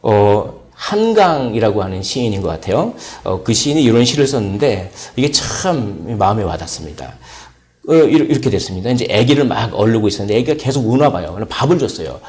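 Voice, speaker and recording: A man preaching a Sunday sermon as pastor, dramatic, moving from emphatic lines to soft, hushed near-whispers. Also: on the low side, very animated, fairly quick. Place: church sanctuary.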